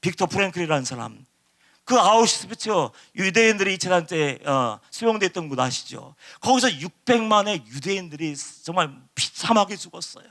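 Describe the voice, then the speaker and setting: A man preaching a sermon as pastor, impassioned and dramatic, acting out shouted pleas. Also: high-pitched, lively intonation, normal speed.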